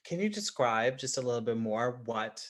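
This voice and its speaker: A man's voice: mid-range voice, lively intonation, moderate pace. A man facilitating an informal roundtable, asking questions in an encouraging, carefully phrased way. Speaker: program facilitator, interviewer.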